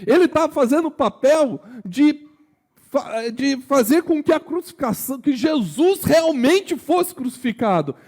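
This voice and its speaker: A Brazilian man preaching a sermon in a conversational way. He keeps asking his congregation questions, sometimes dropping to a slow hush and sometimes rising with energy. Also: very high-pitched. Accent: Brazilian Portuguese. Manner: swings between hushed, slow emphasis and raised, energetic delivery. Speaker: pastor.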